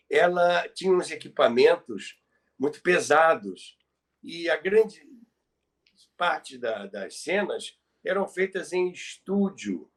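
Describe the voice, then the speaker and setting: A man's voice: fairly high pitch, vocal fry. A Brazilian man telling radio history conversationally as a podcast presenter, explaining things emphatically and repeating key phrases for effect.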